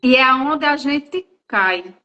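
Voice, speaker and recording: A woman co-host talks with a high, bright tone. She speaks slowly and reflectively, agreeing as she builds on the point. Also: lively intonation, lo-fi sound. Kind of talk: casual talk on a live stream.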